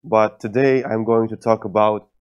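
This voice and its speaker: A low-voiced man gives a prepared lecture in a hall. He delivers it steadily, with dry little jokes along the way. The recording is dull and lo-fi. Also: steady tone, normal speed, clean tone. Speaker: guest lecturer.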